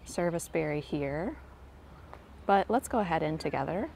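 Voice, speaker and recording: Woman, low voice, chatty garden tour vlog, phone mic outdoors, faint ambience. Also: expressive, moderate pace, gravelly, a little hiss or hum. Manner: gentle, enthusiastic, chatty. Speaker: garden vlogger giving a tour. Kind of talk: casual walking garden tour. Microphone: handheld phone camera, filming while walking.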